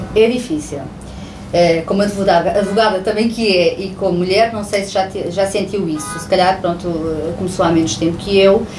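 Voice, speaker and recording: A woman's medium-pitched voice with audible room echo and music in the background. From Portugal, Coimbra. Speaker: lawyer. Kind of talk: interview. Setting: office. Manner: fast; energetic.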